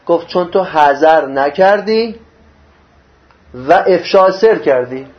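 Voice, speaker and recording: A man giving a religious lesson. He reads passages in Arabic, then explains them in plain Persian, asking rhetorical questions. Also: fairly high pitch. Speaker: religious teacher. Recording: dull lo-fi recording.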